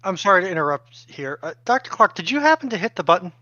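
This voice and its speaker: A man's voice: high voice, big pitch swings, quick pace, bright, forceful tone, no room sound. A man chatting casually as a helper on a show, heard through a lo-fi microphone. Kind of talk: casual chat. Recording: dull, lo-fi dry microphone.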